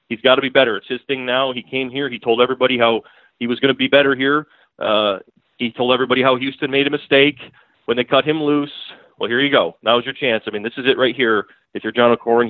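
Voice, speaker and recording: A man's voice: mid-range voice, no echo. A man speaks bluntly and keeps hammering his point, his voice thin and boxed in as if over a phone line. The sound is dry and close, with no room around it. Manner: emphatic, blunt, repeats points. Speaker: newspaper beat writer, guest. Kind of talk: casual podcast interview.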